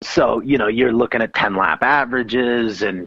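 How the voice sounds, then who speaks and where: His voice sits at a fairly low pitch. The man's pitch variation is ordinary. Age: 30s. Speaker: racing driver and former crew chief. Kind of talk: casual interview. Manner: halting.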